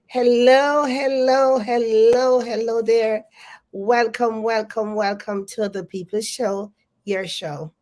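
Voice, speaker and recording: Woman, congested, live stream host, energetic, repeats herself to the audience. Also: fairly high pitch, slow pace. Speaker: host of a live business coaching show. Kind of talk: live stream talk to viewers.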